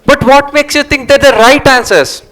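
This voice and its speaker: A man's voice: very high-pitched, steady tone, normal speed, fairly bright tone. A man in a staged comic play reading, playing a short-tempered, sarcastic office bloke who speaks in an argumentative way. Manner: sardonic, argumentative. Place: live stage at a literature festival.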